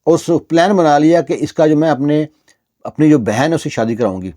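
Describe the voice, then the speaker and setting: A male storyteller narrates a village story in a chatty, meandering way. He uses plenty of fillers and restarts. His voice is mellow and sits a bit high. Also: animated. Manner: conversational, repeats fillers.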